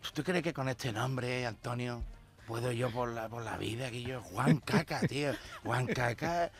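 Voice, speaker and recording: A man's voice: mid-range voice, animated, fast talker, creaky, a bit bright. A man voicing a gloomy fellow complaining about his embarrassing name in a joke. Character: glum man hating his silly name.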